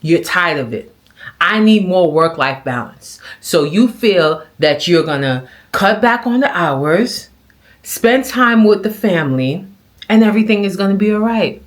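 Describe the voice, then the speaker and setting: A middle-aged woman talks straight to her viewers in a casual vlog. She comments on clips in an animated way and acts out the people in her stories. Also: on the low side, unhurried. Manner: animated storytelling with acted quotes. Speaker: vlogger.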